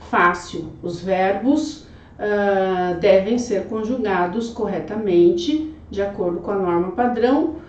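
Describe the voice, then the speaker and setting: A Brazilian Portuguese woman teaching, correcting an exam question by question in a slow, chatty, didactic way. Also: fairly high pitch, darkish tone, echoey room, recorded from a distance, muffled recording.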